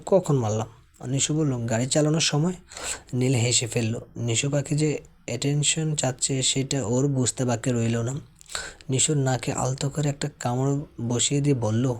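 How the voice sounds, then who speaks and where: A man's voice: mid-range voice, a little mellow. A man reading a romance story aloud, voicing the narration and the couple's dialogue in his own voice, with small stumbles and restarts.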